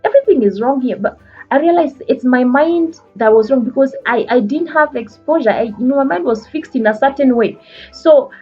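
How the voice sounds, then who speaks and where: Husky Kenyan woman giving a motivational talk. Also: high-pitched, moderate pace, dull audio, soft background music. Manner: earnest, repeats phrases for emphasis, frequent fillers. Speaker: life coach.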